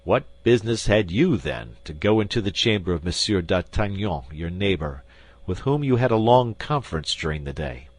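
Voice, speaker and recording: A man voicing a stern, pompous police commissary who interrogates forcefully. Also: deep voice, animated, moderate pace, no room sound.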